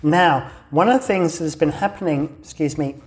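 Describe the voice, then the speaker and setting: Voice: mid-range voice, normal speed. A host giving a casual weekly news rundown of a game world while drawing on a map, talking in a loose, rambling way with many fillers and self-corrections, voice slightly worn. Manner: laughs at own doodling while drawing on screen. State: slightly losing voice. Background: faint background music.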